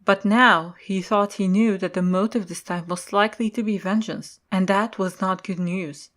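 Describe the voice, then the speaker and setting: A woman's voice: mid-range voice, fairly even intonation, moderate pace, fairly bright tone. A woman giving scripted narration for a dramatic audio story.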